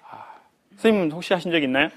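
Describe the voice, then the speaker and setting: Lively high-voiced male lecturer. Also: rapid-fire. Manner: animated, playful, acts out quoted voices. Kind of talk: humorous life lecture to an audience.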